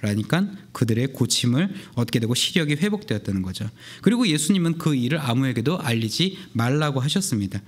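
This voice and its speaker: Speaking at a fairly quick clip with few pauses, a young man in a medium pitch delivers a sermon as a youth pastor. He brings the story to life vividly and performs the characters' voices.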